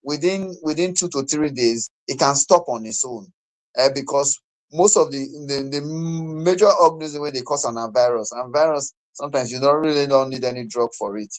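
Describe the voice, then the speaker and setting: A man's voice: medium pitch, moderate pace, rough recording. A male doctor with a Nigerian accent gives health advice as a guest. He blends Nigerian Pidgin with English. His manner is instructive and conversational, with polite urging.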